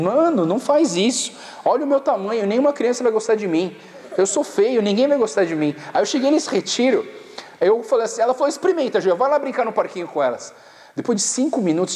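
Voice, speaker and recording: A man preaches as a pastor, his voice rising and falling in wide, animated swings as he tells personal stories. He laughs often between lines. The sound carries the long reverb of a large hall. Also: sits high. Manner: lively storytelling with frequent laughter. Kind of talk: sermon. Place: camp meeting hall.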